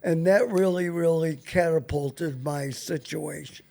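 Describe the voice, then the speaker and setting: A man in his seventies, a veteran radio host, reminiscing casually in a blunt, halting, salty way. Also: a little high, creaky, darkish tone.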